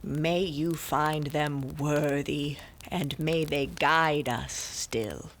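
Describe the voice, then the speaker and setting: A woman voicing a stern older storyteller who leads a solemn ritual in an audio drama, speaking slowly and with measured weight. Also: low voice, fairly even intonation, heavily acted. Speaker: narrator and ritual leader.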